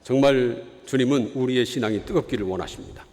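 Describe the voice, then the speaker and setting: A man's voice: medium pitch, fast, a little mellow. A man from the Chungcheong region preaching a sermon as pastor, earnest, with rhetorical questions to the congregation. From Chungcheong, South Korea. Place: church sanctuary. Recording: long reverb of a church hall.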